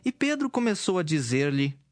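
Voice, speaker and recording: Male narrator for dramatized scripture, fairly high voice, light musical bed. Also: very animated, normal speed, no room sound, clean studio sound, faint music behind.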